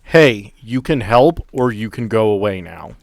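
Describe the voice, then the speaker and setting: A man's voice: lowish voice, expressive, a little slow, vocal fry, no room sound, studio quality. A man voicing a cocky, menacing monster hunter in a tabletop game, blunt and mocking. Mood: threatening.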